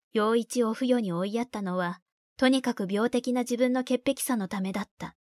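A woman with an unremarkable speaking voice, fairly high in pitch with ordinary pitch variation, sounds dry and close with no echo on a very clean recording with a silent background. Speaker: audiobook narrator. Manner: slow, soft-spoken and measured, gentle and intimate, with a hushed wistful tone; smooth, low-key delivery with little variation, pausing between sentences.

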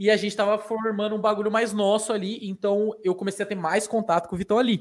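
The speaker is a man. His pitch is high. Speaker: streamer. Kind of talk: casual chat.

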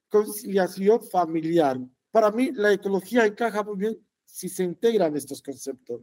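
Lively intonation from a man with a high pitch, at a fairly slow pace. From Romania. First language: Romanian (speaking Spanish). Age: 30s. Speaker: entrepreneur. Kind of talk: interview. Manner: halting.

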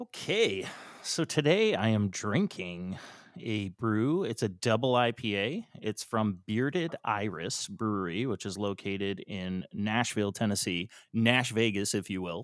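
A man with a fairly low pitch and ordinary pitch variation speaks at a fairly slow pace, in a dry, close sound with no echo on a very clean recording with a silent background. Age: 30s. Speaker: beer and retro gaming photographer. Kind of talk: casual chat.

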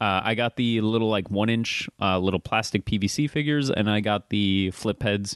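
Using a normal speaking voice, a man speaks at a moderate pace with a fairly low pitch. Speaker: podcast co-host. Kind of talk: casual chat.

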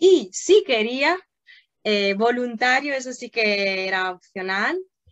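A woman with a Madrid accent speaks at a very slow pace. The sound is dry and close with no echo, and the background is quiet. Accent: sounds like a native Spaniard from Madrid. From northwest Italy, near the French border. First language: Italian (bilingual with French) (speaking Spanish). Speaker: language learner and interviewee. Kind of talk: casual interview.

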